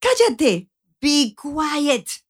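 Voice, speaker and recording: A woman playing an excitable, brash Latina hair salon receptionist in a comic audio drama, speaking Spanish-accented English peppered with Spanish exclamations. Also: high-pitched, very slow, full character voice. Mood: brisk, exasperated.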